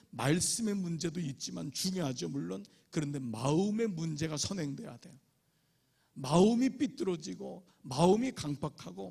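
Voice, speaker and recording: A male pastor delivers an emphatic revival sermon in a church sanctuary. His voice sits a little high, with a gravelly, husky edge. He drops into acted quotes now and then. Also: dark tone.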